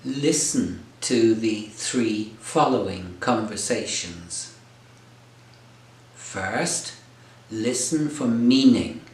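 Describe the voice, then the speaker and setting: A man teaching an English lesson, explaining clearly and deliberately in an encouraging way. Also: on the low side, expressive. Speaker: English tutor. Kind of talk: slow, careful teaching explanation. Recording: roomy echo.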